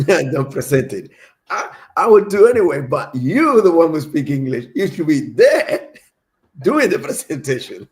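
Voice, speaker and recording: A man's voice: a little high, sing-song, unhurried. A man from Cuba with a Cuban Spanish accent, a native Spanish speaker, telling a story in casual chat with a lot of laughter.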